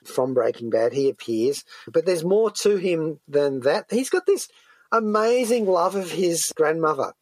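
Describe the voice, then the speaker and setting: Male radio host for conversational reviews: enthusiastic, discursive, rough-edged husky voice, very dry studio sound. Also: fairly high pitch, expressive, measured pace, a little mellow, no echo.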